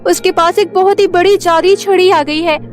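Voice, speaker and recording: A woman's voice: very high-pitched, steady tone, normal speed, soft background music, voice pushed up. A woman voicing an earnest, concerned village girl in a cartoon story. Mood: alarmed.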